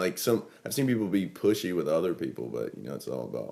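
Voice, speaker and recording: In a Southern accent, a man speaks at a fairly low pitch. Vocal fry colors his voice. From South Carolina. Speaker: podcast host and media producer. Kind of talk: casual chat.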